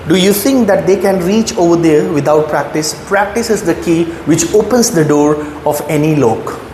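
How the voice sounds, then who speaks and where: This Indian-accented English teacher has a high, darkish voice and teaches with emphasis and motivation, firing rhetorical questions and repeatedly making sure you're keeping up. Slight background noise sits under the long reverb of an echoey room with faint ambience.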